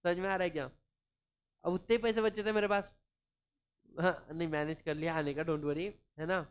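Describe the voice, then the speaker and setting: A man's voice: a little high, fairly even intonation, normal speed, clear, resonant tone. A man from Maharashtra, teaching law in a chatty, informal lecture, mixing in English and acting out anecdotes. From Maharashtra, India. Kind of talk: casual classroom lecture.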